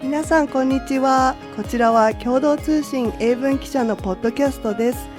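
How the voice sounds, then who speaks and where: A woman's voice: sits high, fast talker, music in the background. A woman in her thirties, a journalist hosting a podcast with polite, scripted introductions.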